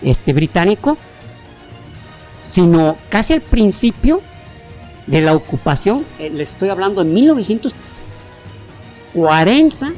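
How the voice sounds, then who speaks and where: Faint music runs behind a mid-range voice speaking at a measured pace with long pauses. It's a podcast co-host with a Mexican Spanish accent, telling history casually in an animated, rambling way heavy on slang, restarts and fillers.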